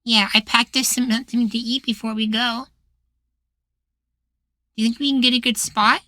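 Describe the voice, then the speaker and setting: A man voicing a cheerful, naive young boywife in an intimate ASMR roleplay, soft, doting and chatty. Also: very high-pitched, level tone, normal speed, no echo, clean studio sound. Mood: affectionate.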